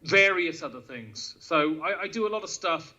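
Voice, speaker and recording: A man chatting as a guest on a video-call show, teasing and joking in quick banter. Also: a little high, animated, sharp tone, dull audio. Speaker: guest, podcast host. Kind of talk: casual chat.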